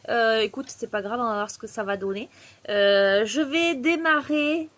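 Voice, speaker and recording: A woman's voice: fairly high pitch, normal speed, fairly bright tone. A woman from Marseille with a southern French accent, chatting casually to the viewer while giving a tarot reading outdoors on a terrace. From Marseille, southern France. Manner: chatty, laughs often, addresses viewer directly. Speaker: tarot reader. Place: outdoor terrace on a windy day. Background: faint wind noise.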